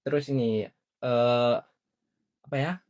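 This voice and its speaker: A young man hosting a podcast in a relaxed, casual way, often filling pauses with soft hums and hesitations. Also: mid-range voice. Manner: relaxed questioning with many "eh" and "hmm" fillers. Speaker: podcast host. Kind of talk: casual chat.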